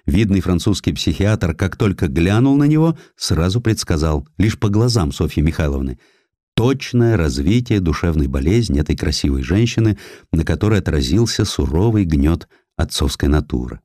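A man reading literary historical prose as an expressive audiobook narrator, in a measured storytelling way. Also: deep voice, no echo, studio quality. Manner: measured, storytelling delivery, acts out quoted dialogue.

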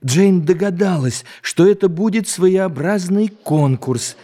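Guy narrating an audio play, mellow voice, really varied intonation. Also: high voice, expressive, slow. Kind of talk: scripted story narration in audio drama.

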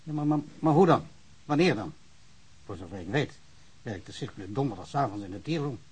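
A man's voice: mid-range voice, animated, moderate pace, darkish tone, breathy edge, low-quality recording. An actor playing an emotional, stammering small-town policeman in a radio drama. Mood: agitated, sheepish. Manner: stammering, repetitive, rambling.

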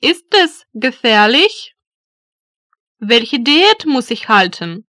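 A woman reading German phrases slowly and deliberately for learners, repeating each one. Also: a little high, big pitch swings, bright, forceful tone, no echo, studio quality. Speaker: German language teacher voice. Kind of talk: slow phrase drills for learners.

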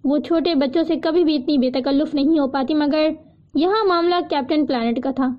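A woman narrating a novel as an audiobook in a steady storytelling manner. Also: high-pitched. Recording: dull lo-fi recording.

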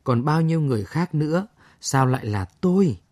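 A frightened young man speaks nervously and reluctantly to a ghost in an audiobook horror story, as a male narrator voices him. His tone is mellow, with pitch moving widely. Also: lively intonation, normal speed, no room sound, clean studio sound. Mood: nervous resigned. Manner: hushed, nervous, then resigned.

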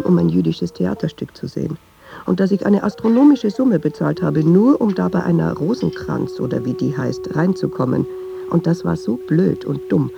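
A woman's voice: fairly low pitch, gravelly, mellow, dull audio, slight background noise. An actress playing a chatty, ironic Jewish woman who tells restless, digressive, insistent stories in a radio drama. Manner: wry, digressive, insistent storytelling. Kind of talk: radio drama monologue in dialogue.

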